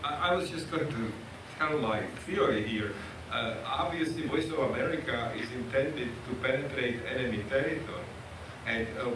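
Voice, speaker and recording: A man with a Czech accent commenting from the audience with jokey asides. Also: medium pitch. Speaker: audience member. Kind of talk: comment at a talk. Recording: echoey, distant, noisy room mic.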